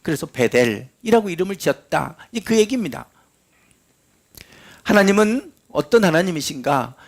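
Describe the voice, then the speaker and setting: A man's voice: high-pitched, sing-song, moderate pace, creaky. A middle-aged male pastor preaching a sermon, telling the story and acting out the quoted lines.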